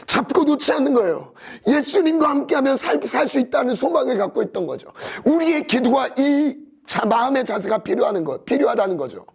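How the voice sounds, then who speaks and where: Animated gravelly-voiced male preacher. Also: brisk, few pauses. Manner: animated preaching with scripture reading, pitch swinging high and low. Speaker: pastor. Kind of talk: sermon.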